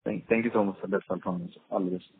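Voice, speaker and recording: A man's voice: low voice, fairly even intonation, very fast, breathy edge, no room sound. A man with an Indian accent, politely and somewhat hesitantly asking questions as a caller on an investor call. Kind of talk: question and answer. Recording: thin, dry phone line.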